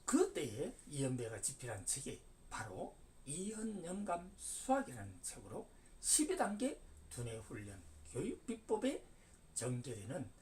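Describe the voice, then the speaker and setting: Seventy-year-old man preaching with wildly swooping pitch. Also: darkish tone, a little hiss or hum. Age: 70s. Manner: emphatic, declaiming with sudden rises and falls. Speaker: religious lecturer. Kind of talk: preaching lecture. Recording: distant mic.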